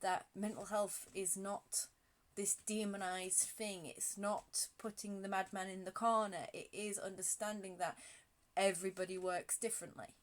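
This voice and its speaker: A woman's voice: mid-range voice, flat delivery, moderate pace. A woman talking earnestly in a casual conversation, thinking aloud with frequent restarts. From United Kingdom. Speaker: podcast host.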